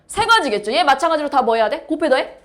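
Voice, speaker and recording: A woman's voice: sits high, very animated, fast, a bit bright, slight background noise. A woman math teacher lecturing a class, explaining step by step and asking her students questions.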